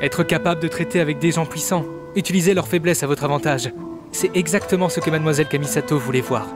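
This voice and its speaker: Game dub: courteous, affable young male retainer, acted by a man, lightly high-pitched, formal, articulate delivery over music. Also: fast talker, lightly acted. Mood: courteous, friendly. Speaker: amateur voice actor dubbing a game character. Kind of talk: scripted game dialogue dub.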